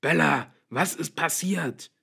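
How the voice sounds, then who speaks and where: A man's voice: a little high, slow, gravelly, pushed and bright, breathy edge, pitched above the performer's own voice, full character voice. A man voicing a worried middle-aged father who calls out anxiously, in an audiobook reading. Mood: panicked. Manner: calling out anxiously.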